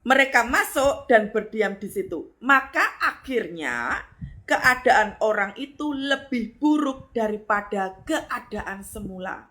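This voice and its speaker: A middle-aged woman pastor, preaching a lively sermon and acting out voices with sudden high exclamations. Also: slow pace.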